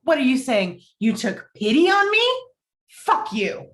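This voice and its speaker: A woman's voice: high voice, sing-song, a little slow, fairly bright tone, echoey room, heavily acted. A woman playing a hurt, angry lover in a table read of a romantic comedy, with clipped, indignant retorts. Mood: furious.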